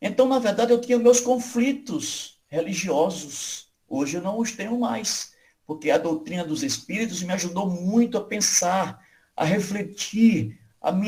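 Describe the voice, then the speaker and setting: His high voice unfolds fairly slowly, with typical movement in pitch. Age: 70s. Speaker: spiritist lecturer, former priest. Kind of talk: lecture Q&A discussion. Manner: hesitant, with fillers.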